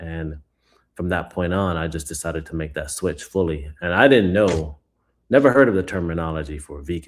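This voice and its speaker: In a very clean recording with a silent background, a man speaks at a moderate pace. His very deep, low voice has ordinary pitch variation and big swings in loudness. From US South, Alabama and Jamaica. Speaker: vegan bodybuilder and coach. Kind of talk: interview.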